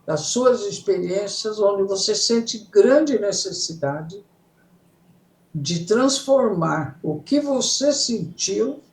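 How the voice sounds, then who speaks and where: Brief: older woman from italy, unhurried teacherly explainer, gravelly voice, roomy sound. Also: mid-range voice, expressive, a little mellow. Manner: unhurried, explains in steps, checks in with "certo?". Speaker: psychoanalyst guest. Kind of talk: reflective explanatory interview talk.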